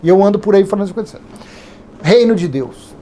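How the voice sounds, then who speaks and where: A man's voice: sits high, animated, fast talker, warm tone, slight background noise. Rambling Brazilian man in his fifties. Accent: Brazilian Portuguese. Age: 50s. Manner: rambling, conversational, with digressions and repetitions. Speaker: Bible teacher. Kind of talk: informal Bible study teaching.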